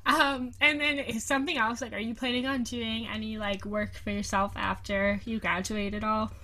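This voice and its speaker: Young woman, podcast host, bright voice, giggly and bubbly, slightly high, recorded over a video call. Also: flat delivery, moderate pace. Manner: giggly, bubbly, lots of fillers. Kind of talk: casual chat.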